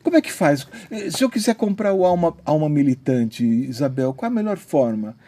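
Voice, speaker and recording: A man's voice: a little high, very animated, fairly quick, dark tone. A man hosting an interview, talking hesitantly with many fillers while praising a book. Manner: hesitant, filler-heavy enthusiasm. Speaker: interviewer, host. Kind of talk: casual interview.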